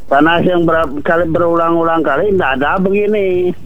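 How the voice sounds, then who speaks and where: A man phones in to a radio show, talking in a relaxed, chatty way. His voice comes through a dull, lo-fi line that keeps breaking up and cutting out. His pitch sits slightly high for a man. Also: normal speed, faint music behind. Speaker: radio call-in caller. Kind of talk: casual chat on air. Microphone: telephone.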